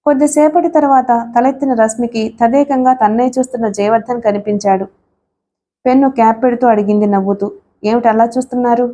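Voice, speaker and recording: A woman narrating an audiobook in a steady, measured reading. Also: a little high.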